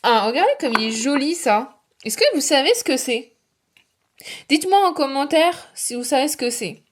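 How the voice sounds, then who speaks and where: A woman's voice: sits high, animated, normal speed, a little hiss or hum. Chatty young Frenchwoman touring her bookshelves. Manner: chatty, rambling with many fillers. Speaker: booktuber and author. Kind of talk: casual book-collection vlog. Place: home room with bookshelves.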